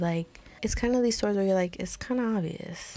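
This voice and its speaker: A woman talks very fast in an animated tone with ordinary pitch variation. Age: 20s. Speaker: YouTuber giving advice and reading viewer stories; YouTuber giving advice. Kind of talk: casual advice vlog with read-out stories. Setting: home video recording to camera. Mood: animated, opinionated. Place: home room. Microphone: studio mic.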